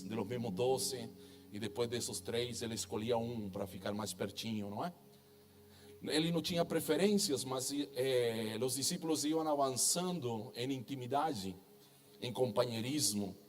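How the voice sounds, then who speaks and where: A middle-aged man from Chile with a strong Chilean Spanish accent, preaching to a church congregation in a chatty, self-joking manner that keeps asking "não é?" and "amém?". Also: medium pitch. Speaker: guest preacher. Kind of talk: sermon at a church conference. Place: church stage before a congregation.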